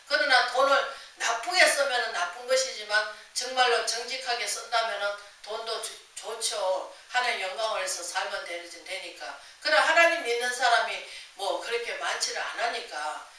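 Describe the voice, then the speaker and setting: A woman's voice: a little high, bright, forceful tone. Give me a woman preaching a sermon who throws rhetorical questions at the congregation, recorded from far off in a very echoey church. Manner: acts out quoted voices. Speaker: pastor. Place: church sanctuary.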